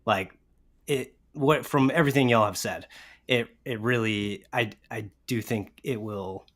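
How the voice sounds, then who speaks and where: A man's voice: medium pitch, unhurried, a bit bright. Man chatting casually as a guest. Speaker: guest on podcast livestream. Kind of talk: casual chat.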